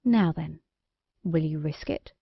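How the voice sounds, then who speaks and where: A woman's voice: low-pitched, slow, husky, no echo, voice pushed down, heavily acted. A woman doing a firm, plain-spoken king. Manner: firm, reasoning, lecturing. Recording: dry, slightly dull recording.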